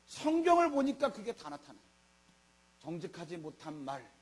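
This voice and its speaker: Middle-aged pastor preaching sunday sermon, asks lots of questions, voice jumps all over, steady hum behind. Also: male voice, high-pitched. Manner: emphatic, colloquial, repetitive rhetorical questions. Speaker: senior pastor. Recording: mains hum.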